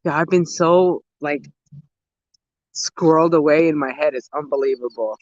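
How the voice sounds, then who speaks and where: This roughly forty-year-old woman hosts a gardening and mental health livestream from outdoors in her garden, speaking in a slangy, expressive, casual way and drifting off-topic as she thinks aloud and responds to comments. Her low voice has a darkish tone and moderate pace. The sound is lo-fi, with no echo.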